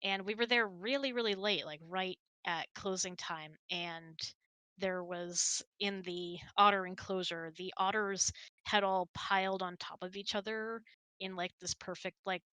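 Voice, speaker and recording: A woman's voice: medium pitch, steady tone, unhurried, sharp tone, clean tone, no room sound. A woman hosting a casual online hangout, chatting and answering audience questions in a giggly manner. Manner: giggly, laughs often while talking.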